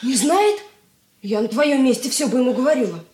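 A woman's voice: high-pitched, sing-song, normal speed, mellow. An actress playing a nosy, cheeky young teenage girl who teases and pesters in a radio drama. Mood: teasing. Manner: teasing, pert. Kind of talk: 1980s radio drama acting. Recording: roomy, with hiss.

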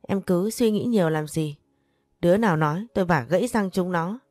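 A woman's voice: on the low side, fairly quick, darkish tone, dry recording, clean studio sound, soft background music, close to an everyday voice. Woman doing a protective young husband. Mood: reassuring. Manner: reassuring, offhand.

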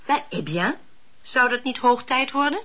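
Brisk woman, animated intonation, radio drama, dull lo-fi recording. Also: high-pitched, exaggerated voice. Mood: brisk, assured. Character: brisk, opinionated woman helper, pious letter-answerer. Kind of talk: Dutch radio drama acting.

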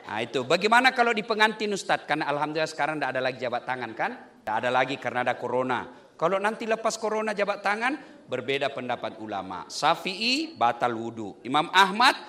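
High, lively, bright-voiced male preacher. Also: fast talker. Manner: joking, lively delivery with playful asides to the congregation. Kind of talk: humorous sermon on marriage.

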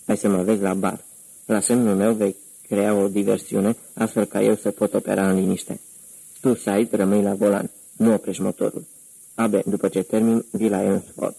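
A man voicing a gang leader who gives curt orders, in a deep, gravelly voice. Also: flat delivery, warm tone, poor audio. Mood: commanding. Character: commanding male gang leader in disguise.

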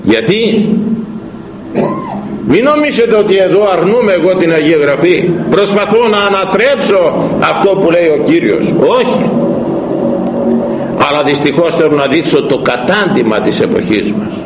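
A male priest giving a sermon, emphatic and full of rhetorical questions, rising loud and dropping low. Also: animated. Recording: roomy echo, faint noise.

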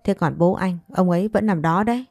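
Woman playing a scheming stepmother who argues back, low mellow voice. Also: brisk, no room sound, clean studio sound, faint music behind, lightly acted. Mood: quarrelsome. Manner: argumentative, defiant.

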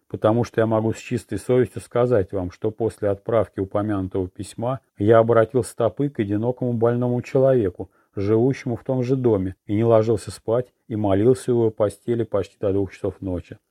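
A man's voice: fairly low pitch, fairly even intonation, a little fast, few pauses, mellow, dry recording, studio quality, lightly acted. A man voicing a smug, sanctimonious preacher who speaks self-righteously in an audiobook. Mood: pious.

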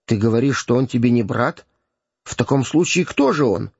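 A man voicing a kindly, pitying gentleman who speaks earnestly. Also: mid-range voice, lively intonation, normal speed, vocal fry, slightly rough, no room sound. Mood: sympathetic. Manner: earnest and sympathetic. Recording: dull, dry lo-fi recording.

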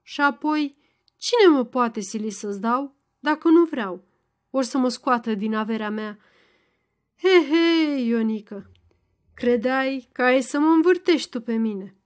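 A woman voicing a stubborn, crafty old peasant father-in-law who speaks in a loud, gruff, mocking way. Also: a little high, animated, natural voice. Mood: mocking, firm.

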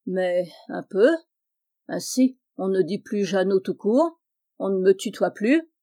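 A woman's voice: medium pitch, slow, dark tone. A woman voicing a boastful, scheming young man in a storybook reading, smug and offhand.

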